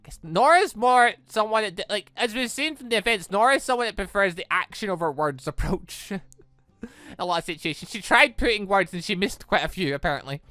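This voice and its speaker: A gaming YouTuber giving animated, exclamatory commentary while playing and reading out a visual novel game, with music playing behind. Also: mid-range voice, a little fast, no echo. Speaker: gaming YouTuber, let's player.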